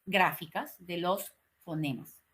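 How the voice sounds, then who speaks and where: A woman teaching an online class, speaking slowly and articulating each word with care, with frequent checking questions and hesitations. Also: fairly low pitch, fairly bright tone. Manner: slow, carefully articulated explaining; frequent "¿no?" and "eh" fillers.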